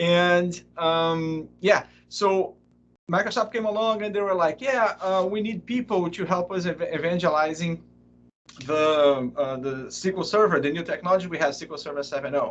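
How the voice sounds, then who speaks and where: This man speaks with a Brazilian accent at a moderate pace. His pitch is high, with ordinary pitch variation. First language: Portuguese. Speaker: cloud data architect. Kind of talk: conference talk. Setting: live online stream. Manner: halting.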